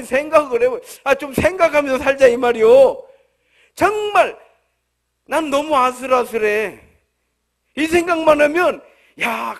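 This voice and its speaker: A male pastor with a Jeolla accent, delivering a humorous, conversational sermon full of rhetorical questions at a church service. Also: very high-pitched. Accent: Jeolla Korean.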